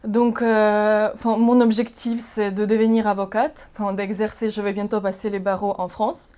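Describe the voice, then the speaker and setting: A woman's voice: mid-range voice, level tone, normal speed, warm tone, clean tone. A woman from Ukraine, a law graduate, speaking earnestly and searching for her words. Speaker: law graduate, future lawyer. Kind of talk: testimonial interview.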